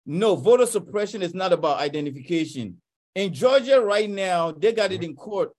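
A man's voice: high voice, lively intonation, normal speed, darkish tone. A man co-hosting a radio talk show, arguing his point with passion, repeating himself and laughing often. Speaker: radio co-host. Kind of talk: heated talk-radio debate.

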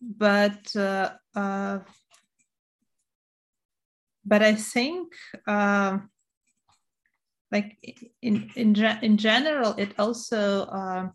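Speaking slowly and without hurry, a woman in her thirties with a Ukrainian accent answers an interviewer's questions hesitantly, filling gaps with many fillers. Her voice is mid-range with fairly even intonation.

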